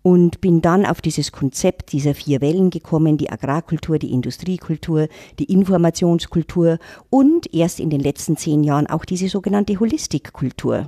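A woman's voice: low voice, animated, moderate pace, few pauses, mellow, no room sound, clean studio sound. A middle-aged woman, reflectively telling her story on a podcast. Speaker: intercultural trainer, guest. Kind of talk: casual podcast talk.

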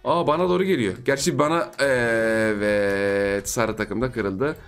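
A young man giving excitable, teasing gameplay commentary as a gaming YouTuber, laughing often. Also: medium pitch, brisk.

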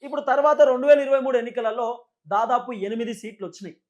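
Male political commentator, Telangana Telugu accent, very high voice, rapid delivery, emphatic and repetitive explaining. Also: a little mellow, highs cut off. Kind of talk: unscripted political news commentary.

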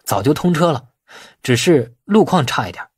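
A composed, capable company boss played by a male audiobook narrator speaks in a matter-of-fact, conversational way. The voice is a little husky and very dry. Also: fairly high pitch, animated, moderate pace, dry recording.

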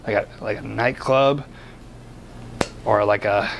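A man's voice: on the low side, steady tone, slow pace, vocal fry, highs cut off, background noise. A young man hosting a magic product review, chatty and joking, rambling with lots of restarts and fillers.

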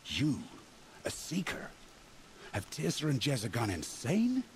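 An actor playing a bitter, contemptuous tribal war chief in a video game, scornful and commanding. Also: male voice, mid-range voice, huge pitch swings, unhurried, a little hiss or hum. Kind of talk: dramatic video game dialogue.

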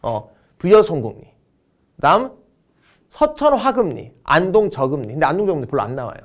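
Lively, joking man lecturing. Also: fairly high pitch. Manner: joking, storytelling, drawn-out words for effect. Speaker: history lecturer. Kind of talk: online exam-prep lecture.

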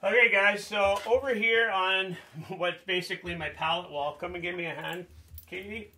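A man's voice: sits high, fairly even intonation, normal speed, sharp tone, slight background noise. A man in his forties hosting a fishing channel, giving a casual, rambling, enthusiastic walkthrough of his lure collection in a small indoor room, close to a handheld camera. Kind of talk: casual show-and-tell walkthrough. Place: small indoor man cave packed with lures.

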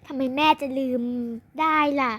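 A child voicing a gentle, doting mother of two girls, coaxing and scolding softly in a pretend play. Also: moderate pace, slight background noise, lightly acted.

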